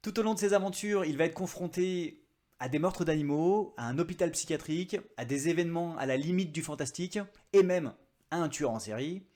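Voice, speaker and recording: A man's voice: a little high, brisk, darkish tone. A man hosting his own book review vlog, chatty and joking at his own expense. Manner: chatty, self-mocking asides. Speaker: book vlogger.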